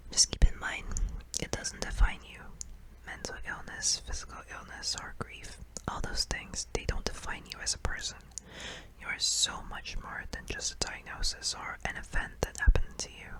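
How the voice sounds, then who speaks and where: A performer voicing a kindly, apologetic sleep paralysis demon in a soft, hesitant, breathy whisper for an ASMR roleplay. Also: close to an everyday voice, rough recording.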